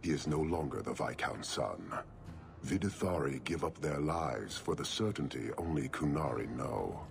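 An actor playing a stern, solemn horned warlord in a video game, speaking in a slow, measured, formal way. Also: male voice, rumbling low, expressive, gravelly, heavily acted. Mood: solemn, unyielding.

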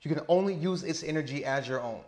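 A man in his thirties with a stutter, talking slowly and deliberately as an interview guest on a lapel mic indoors. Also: fairly high pitch, a little mellow. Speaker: interview guest, teacher living abroad. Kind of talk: casual interview. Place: indoor lounge with sofa.

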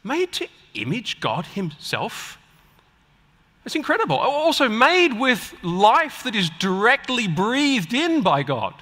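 A man preaching a sermon to a live audience with an emphatic, deliberate delivery and rhetorical pauses, in a large hall. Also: very high voice, wildly swooping pitch, sharp tone. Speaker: preacher and guest speaker at a church conference. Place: large indoor auditorium, speaking on stage. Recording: echoey large hall with long reverb.

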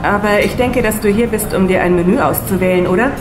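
A woman's voice: medium pitch, noisy background, natural voice. Woman as a blunt canteen server, echoey room. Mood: brisk, teasing. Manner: brisk, sarcastic, direct. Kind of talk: German audio drama acting. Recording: roomy echo. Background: music, clinking dishes and cutlery.

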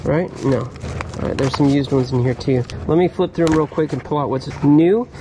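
An upbeat, chatty man talks to viewers while digging through boxes outdoors, bursting into excited exclamations at his finds. His voice sits a little high for a man. Clear outdoor noise and the hum of passing vehicles run behind him. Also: moderate pace. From California, USA. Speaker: storage locker reseller vlogger. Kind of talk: casual chat to camera while sorting boxes. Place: outdoors at a storage unit row. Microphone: head-mounted camera.

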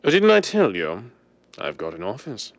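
An actor playing a suave, secretive wealthy gentleman with a smooth, urbane drawl in a 1930s-style radio drama. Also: lowish voice, wildly swooping pitch, normal speed. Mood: suave, breezy.

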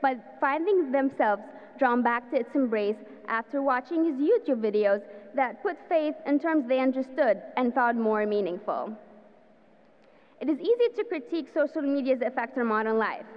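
A woman's voice: high-pitched, animated, moderate pace. A young woman, a student, reads a formal introduction of the speaker carefully from a podium. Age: young adult. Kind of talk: read-aloud introduction. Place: large indoor arena. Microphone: podium microphone. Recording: dull sound with long hall reverb.

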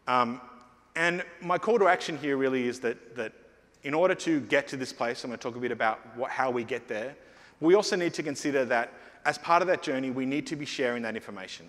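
A man's voice: mid-range voice, a bit bright. Man giving a conference keynote. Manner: conversational, many fillers and restarts. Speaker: keynote speaker. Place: large conference hall stage. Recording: long hall reverb.

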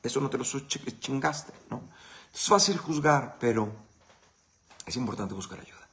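A man's voice: mid-range voice, expressive, normal speed, a bit bright. Blunt, profane Mexican man chatting. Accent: Mexican Spanish. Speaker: host answering viewer questions. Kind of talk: casual live Q&A chat.

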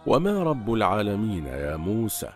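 A man's voice: lowish voice, wildly swooping pitch, moderate pace, music in the background. A man voicing an arrogant, mocking tyrant king in a retold religious story, with a scornful, taunting delivery.

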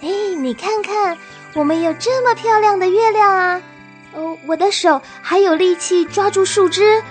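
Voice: very high voice, normal speed, soft background music. An actor voicing a hopeful young female deer with a cheerful, exclamatory manner in a children's radio drama. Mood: excited, hopeful.

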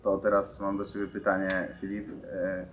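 A man with a slightly low voice hosts a relaxed sit-down interview, tossing out teasing questions. Faint ambience hums in the lounge behind him. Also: moderate pace, slight background noise. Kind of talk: casual sports interview. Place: lounge in a large building.

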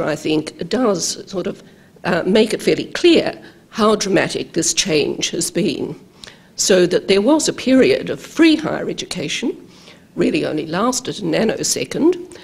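An older Australian woman, a law professor with a croaky voice from travel, giving a halting conference lecture at a lectern microphone in a large hall. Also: fairly low pitch. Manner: halting, many ums and uhs, measured.

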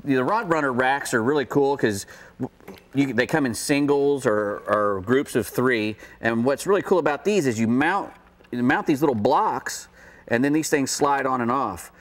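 A middle-aged man with a halting, folksy way of talking, presenting products casually as co-host of a fishing show. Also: mid-range voice, lively intonation. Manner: halting, folksy, repeats himself. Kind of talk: unscripted product showcase chat. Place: indoor TV studio set.

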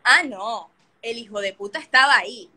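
A woman's voice: fairly high pitch, normal speed, crowd noise. A young woman, hosting a livestream and telling a story casually and animatedly, swearing often and acting out the scenes. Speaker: livestream host.

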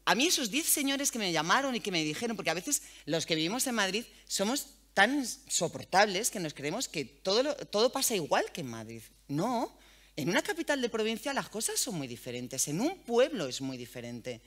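A woman journalist and radio host talks to an audience in an event hall at an ordinary pace. Candid and slangy, she swears freely and stays animated throughout, her tone bright and her pitch leaping with energy in the manner of a seasoned radio host.

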